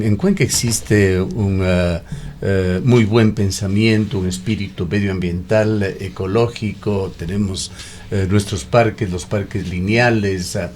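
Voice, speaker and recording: A man hosting a radio interview, measured and prompting guests with frequent backchannels. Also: fairly low pitch, a little mellow, slight background noise. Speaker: radio host. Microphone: studio microphone.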